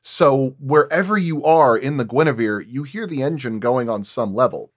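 A man's voice: medium pitch, lively intonation, moderate pace, no room sound, studio quality. A man working as a sound designer explains his craft in detail in a roundtable discussion.

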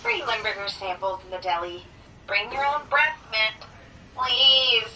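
A woman plays a sardonic grocery announcer in a comedy sketch. Her high, piercing voice comes through a store intercom, set back from the mic with faint noise. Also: steady tone, unhurried, sharp tone, recorded from a distance, low-quality recording.

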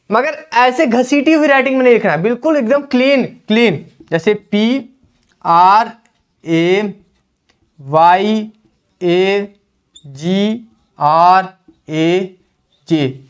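A young man coaching exam candidates at a whiteboard, giving instructions and often checking in with "theek hai". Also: very high voice. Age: young adult. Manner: instructive, repeats "ठीक है" often. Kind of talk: whiteboard lesson. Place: indoor classroom at a whiteboard. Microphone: lapel mic.

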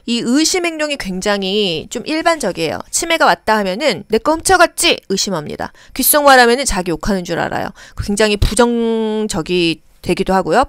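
A woman's voice: medium pitch, dry recording, clean studio sound. A woman lecturer teaching exam questions for care worker training, acting out the quoted lines of patients as she goes. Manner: lively, acts out patient quotes.

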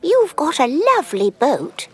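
A woman's voice: high-pitched, wildly swooping pitch, a little slow, slight background noise, heavily acted. A woman voicing a chirpy, prim, dotty elderly lady in a comedy cartoon, with an eager, sing-song delivery. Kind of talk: animated comedy character acting.

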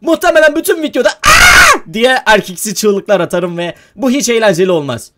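High, lively young Turkish gamer man. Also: quick pace, shouting, very noisy. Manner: jumpy, talks to viewers, yelps when scared. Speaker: gaming YouTuber. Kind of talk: casual let's-play commentary.

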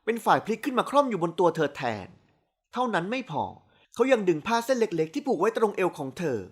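A woman narrating a romance audiobook with expressive storytelling. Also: mid-range voice, quick pace, breathy edge.

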